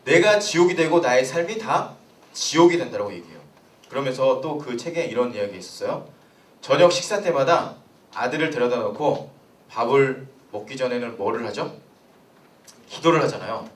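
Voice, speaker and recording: A young man, a pastor, giving a sermon to a youth congregation in a lively storytelling way and putting questions to the listeners. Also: mid-range voice, moderate pace. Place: church hall. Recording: roomy hall, voice from a distance.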